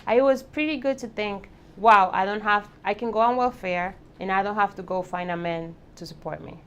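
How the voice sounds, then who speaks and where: A woman's voice: medium pitch, brisk, a little hiss or hum. A woman from the Dominican Republic, speaking reflectively with hesitant restarts in a documentary interview.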